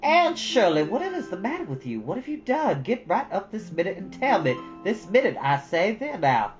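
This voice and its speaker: A woman performs a severe older guardian from a storybook. She scolds in sweeping, exasperated tones with blunt sarcasm. Music plays clearly behind her on a slightly dull recording. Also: medium pitch, big pitch swings, normal speed, pitched above the performer's own voice, natural voice. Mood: alarmed, demanding.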